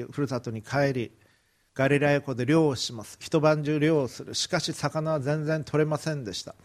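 Japanese pastor retelling a Bible story. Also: male voice, fairly high pitch. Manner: vivid retelling, briefly acting out quoted lines. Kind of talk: sermon storytelling.

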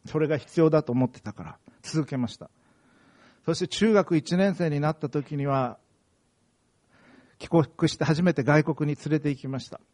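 A man's voice: on the high side, moderate pace, darkish tone. A middle-aged man from Okayama preaching a sermon, earnest and emphatic, telling personal stories. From Okayama, Japan. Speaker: pastor.

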